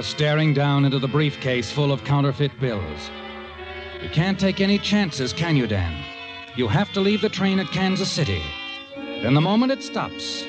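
An American actor playing an insinuating, all-knowing narrator who needles the character in a 1940s radio thriller. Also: male voice, a little high. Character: the Whistler, taunting all-knowing male narrator of crime tales. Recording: muffled old radio recording under music. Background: dramatic music.

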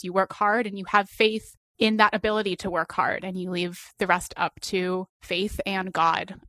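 Woman guest from Maine, bright tone, steady earnest delivery, dry recording. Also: medium pitch, no echo. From Maine, USA. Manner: measured, emphatic lists. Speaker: guest, co-founder of a voting rights group. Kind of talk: earnest interview answer.

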